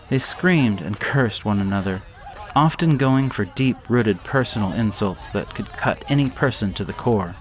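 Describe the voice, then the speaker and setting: A man narrating a gothic horror story in a measured, deliberate way. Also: mid-range voice, a little hiss or hum.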